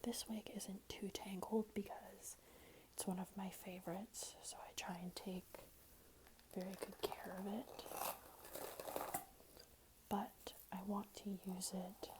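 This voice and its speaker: A woman whispering breathily and gently in an ASMR tutorial, explaining things in an unhurried way. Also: medium pitch, level tone, poor audio. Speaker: ASMR creator giving a wig styling tutorial. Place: small room at home, indoors.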